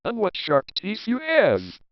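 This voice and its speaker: A man's voice: high voice, wildly swooping pitch, slow, no room sound, lo-fi sound, voice pushed up, full character voice. A man voicing a sweet, trusting little girl in a storybook, polite and innocent. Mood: amazed. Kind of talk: storybook character voice.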